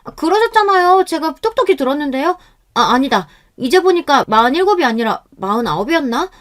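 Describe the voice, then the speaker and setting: A woman voicing a clever eighteen-year-old girl who asks bright, sweetly mocking questions. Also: high-pitched, very animated, a little fast, voice pushed up. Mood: sly teasing.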